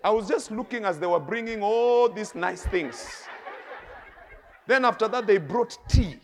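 Animated Kenyan preacher, man. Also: high voice, unhurried, a little hiss or hum. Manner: animated, laughing, swinging between quiet and loud. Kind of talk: sermon with storytelling.

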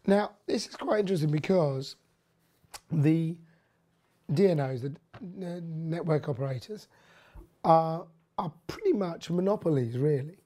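Husky, hoarse podcast host. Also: medium pitch, expressive, unhurried, pauses often, warm tone. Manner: rambling, filler-heavy, opinionated asides. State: hoarse, losing voice. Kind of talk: casual energy news commentary.

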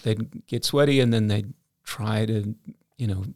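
A young man from Iceland chatting casually as a podcast co-host, telling animated stories and laughing often. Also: lowish voice, measured pace, dry recording, studio quality. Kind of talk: casual conversation.

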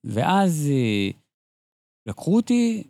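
Animated, lively storytelling man. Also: fairly high pitch, creaky, no echo, clean studio sound. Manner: animated, digressive, frequent restarts. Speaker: interview guest, writer. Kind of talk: casual storytelling conversation.

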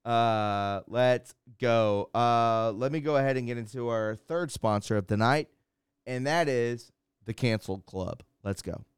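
Crisp-voiced man hosting a live stream. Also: mid-range voice, a little slow, no room sound, studio quality. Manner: loose, rambling, laughs easily, reads news aloud. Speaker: host. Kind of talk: casual live-stream talk show.

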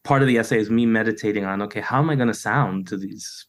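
A middle-aged man from the US, a poet appearing as an interview guest over video call, reflects in a loose stream full of "you know" and restarts. He talks fast, with a fairly low voice.

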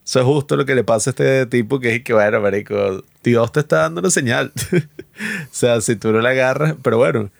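Casual co-host, male, jokey anecdote teller, gravelly fry, dry sound. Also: mid-range voice, brisk, no room sound. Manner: jokey, tells anecdotes with voiced characters. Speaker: podcast co-host. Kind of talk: casual chat.

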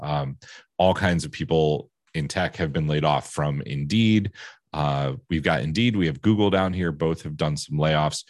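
A man's voice: extremely low pitch, no room sound, clean studio sound. A man hosting a podcast, asking questions and commenting on market conditions in a casual conversation. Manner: inquisitive, prompts the guest with questions. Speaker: podcast host.

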